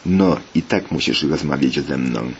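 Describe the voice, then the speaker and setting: A man voicing a stern mother who loudly scolds her son in a read-aloud story. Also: very deep voice, measured pace. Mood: scolding. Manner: loud sharp scolding. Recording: muffled lo-fi with faint hiss.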